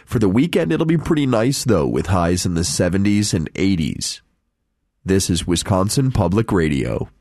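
A man hosting local morning radio news, reading headlines and weather in a friendly, relaxed way. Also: deep voice, moderate pace, no echo, clean studio sound. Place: radio studio.

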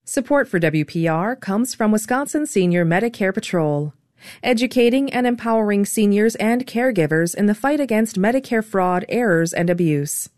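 A woman announcing a station sponsor credit in an even, formal read. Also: medium pitch, normal speed, no echo, studio quality. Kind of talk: underwriting announcement.

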